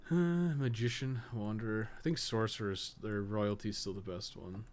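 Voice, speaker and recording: A man's voice: lowish voice, normal speed. A man giving casual, rambling commentary as he plays a game, blunt and sweary in an offhand, grumbling way. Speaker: podcast co-host playing a video game. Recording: clearly noisy background behind the voice.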